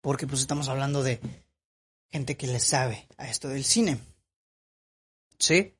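Male film vlogger. Emphatic and lecturing, with steady mid-range pitch and a lot of repetition. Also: measured pace, breathy edge. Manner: emphatic and lecturing, repeats his points. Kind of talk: opinion commentary to camera.

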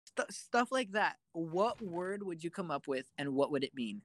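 A woman's voice: lowish voice, animated, moderate pace, no room sound. A young woman co-hosting a casual chat, giggling often and rambling with lots of fillers. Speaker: podcast co-host.

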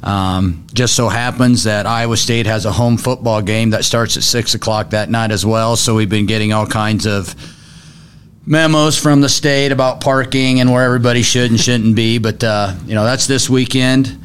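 A man's voice: mid-range voice, fairly even intonation, normal speed, clear, resonant tone. A man co-hosting a casual local radio chat, giving school news in an easygoing, matter-of-fact way with many fillers. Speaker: co-host, school district representative.

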